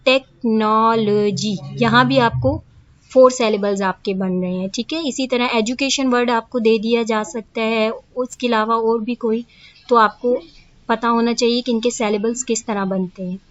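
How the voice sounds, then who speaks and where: A woman teacher with a Pakistani accent leading an exam revision lesson. She reads each question slowly, then explains it patiently. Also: on the high side, steady tone, dry recording. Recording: dull lo-fi recording, dry.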